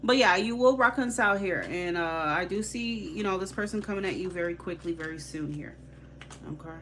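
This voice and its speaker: A woman's voice: on the low side, a little fast, fairly bright tone, slight background noise. A young woman with a Haitian accent, giving live tarot readings in a casual, slangy, chatty way and laughing easily. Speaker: tarot reader.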